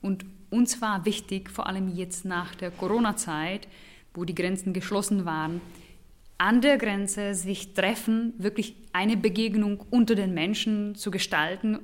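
A woman's voice: mid-range voice, fairly even intonation, measured pace. Czech-born woman, association director. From Czech Republic. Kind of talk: interview statement.

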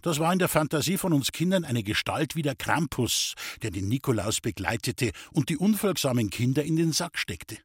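A man from the Bavarian Forest reading aloud from his own childhood memoir in an even, unhurried storytelling manner. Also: mid-range voice, husky, dry recording, studio quality. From Bavarian Forest, Germany.

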